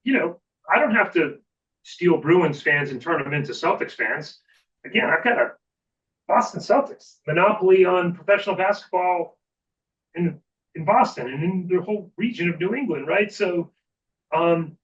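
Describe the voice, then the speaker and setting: A man with a fairly high voice talks as a podcast guest in an informal, reflective style. He sounds a bit away from the microphone, and the audio is slightly dull. His delivery is conversational, often checking in with the listener. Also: animated, normal speed, a bit bright, recorded from a distance. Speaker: sports executive, podcast guest. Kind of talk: casual conversational interview.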